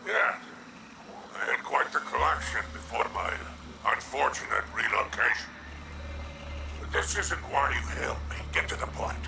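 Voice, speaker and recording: An actor playing a sly, gruff alien crime boss in a video game, drawling and insinuating with a gravelly voice. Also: male voice, mid-range voice, lively intonation, moderate pace, long pauses, noisy background. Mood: grudging, impatient. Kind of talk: video game cutscene acting.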